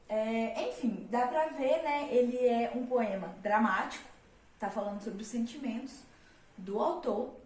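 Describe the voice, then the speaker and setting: A young woman teaching a casual literature lesson, chatty, with many fillers and rhetorical questions. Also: a little high. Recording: roomy, mic at a distance.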